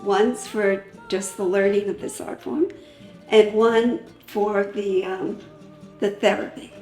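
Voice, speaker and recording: A woman's voice: mid-range voice, steady tone, warm tone. Reflective middle-aged woman in a roomy space. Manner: reflective, halting, with pauses and fillers. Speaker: flamenco dance teacher. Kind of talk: interview. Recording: roomy sound, music faintly behind.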